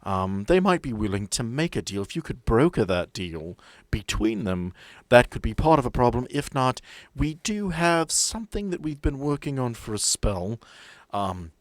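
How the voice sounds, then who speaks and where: A man's voice: mid-range voice, big pitch swings, moderate pace, few pauses, no room sound, close to an everyday voice. A man voicing a businesslike, wry woman making deals over the phone in a tabletop roleplay, in a matter-of-fact, slightly hesitant manner.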